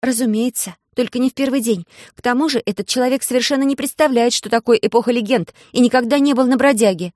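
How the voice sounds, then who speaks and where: A reader voicing a clever, stubborn young girl who argues quickly and a little mockingly. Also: medium pitch, darkish tone, no echo, clean studio sound, pitched above the performer's own voice, close to an everyday voice. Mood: arguing. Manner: quick, persuasive, slightly mocking. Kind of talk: audiobook character voice.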